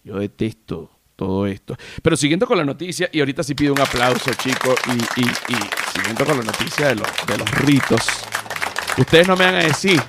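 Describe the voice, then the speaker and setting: A man's voice: mid-range voice, background noise. A man with a Venezuelan accent hosting a comic podcast, rambling crudely and bickering with his own alter egos. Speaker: podcast host. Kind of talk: comic monologue. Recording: loud music and canned applause behind.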